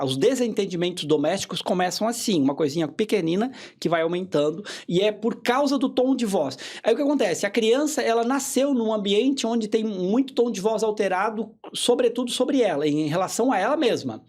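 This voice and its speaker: A man, a hypnotherapist guest on a podcast interview, explaining in a calm, teaching way and often checking in with short tag questions. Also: high voice.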